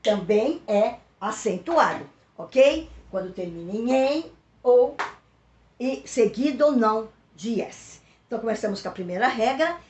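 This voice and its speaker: Brazilian lady teacher, bit high voice, goes over stuff slow and keeps asking ok?, echoey room w/ a little hiss. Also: animated, a little mellow, muffled recording. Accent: Brazilian Portuguese, São Paulo. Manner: explains slowly, repeats key words and checks in with "ok?". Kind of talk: recorded lesson for pupils.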